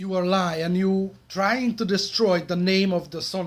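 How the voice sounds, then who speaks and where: Speech with a non-native accent and ordinary pitch variation comes through a very clean recording with a silent background. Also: man. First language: not English. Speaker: YouTuber. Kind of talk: angry rant. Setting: small room. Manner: halting.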